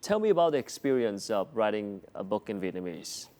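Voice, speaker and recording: A man interviewing a guest, asking calm questions and giving short backchannels. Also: lowish voice, a little fast, over music.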